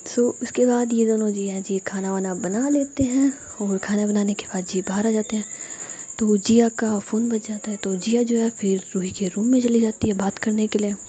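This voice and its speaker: Young female storyteller, hushed and mellow, casual narration. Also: medium pitch, fairly even intonation, normal speed, husky. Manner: soft, hushed, half-whispered.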